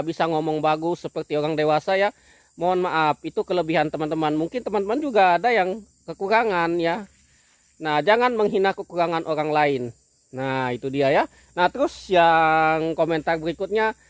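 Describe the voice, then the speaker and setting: A man's voice: high voice, dry recording. A man from with a speech impediment that blurs one sound. He is an oil palm farmer talking casually to camera outdoors in his plantation, apologetic and repetitive, often starting with "nah". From Kalimantan, Indonesia.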